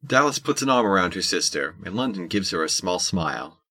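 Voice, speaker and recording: A wry narrator voiced by a man with a very low, husky voice. He delivers measured audio drama narration with a forceful edge. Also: animated, full character voice. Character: wry male storyteller narrator.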